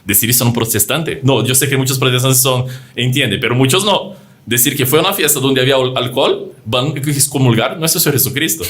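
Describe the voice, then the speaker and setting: A man co-hosting a religious podcast, speaking a language that is not his first. His voice sits at a middle pitch. He explains things in plain examples and often breaks off a word to restart it as he hunts for the right phrasing. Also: brisk, a bit bright. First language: not Spanish. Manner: explains with examples and acted-out quotes, frequent restarts. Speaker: podcast co-host.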